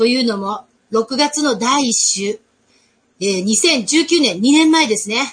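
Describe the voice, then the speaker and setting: This woman's intonation is lively and her pitch fairly high. She talks at a very slow pace. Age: 40s. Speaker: podcast host and IVF patient. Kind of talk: casual chat on a live stream. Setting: live stream.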